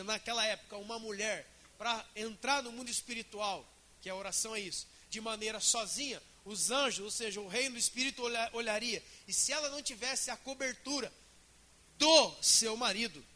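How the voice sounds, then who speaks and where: Bright, high-voiced preaching pastor. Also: male voice. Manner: emphatic preaching, asks the congregation questions. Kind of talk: sermon. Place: church.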